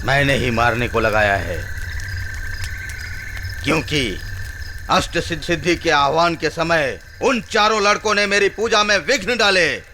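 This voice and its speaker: A man's voice: on the high side, lively intonation, noisy background. A man playing a fanatical, menacing occult priest in a dubbed film melodrama, chanting grandly and boasting. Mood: confessing coldly. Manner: chanting, grandiose, drawn-out delivery. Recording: loud background music over dubbed voice.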